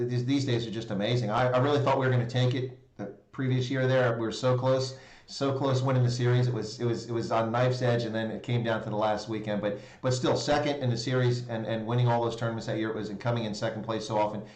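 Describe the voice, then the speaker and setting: A man's voice: medium pitch, fast talker. Male host, casual and keen, echoey room on a video call. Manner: relaxed, enthusiastic, with fillers and short laughs. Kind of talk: casual interview chat.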